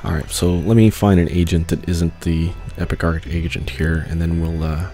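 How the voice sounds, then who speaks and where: A man's voice: sits low, little pitch movement, normal speed, dark tone. A man with a cold hosting a casual video game playthrough, rambling easygoing talk with lots of filler. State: stuffed up with a cold. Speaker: let's play host. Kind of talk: casual gameplay commentary.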